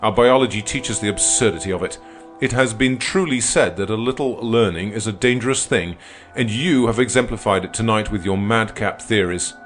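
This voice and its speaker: A man's voice: lowish voice, normal speed, fairly bright tone, faint music behind, voice pushed up, close to an everyday voice. A man voicing a pompous older male lawyer who rants with scornful indignation. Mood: outraged. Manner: indignant, ranting oratory. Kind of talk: audiobook character reading.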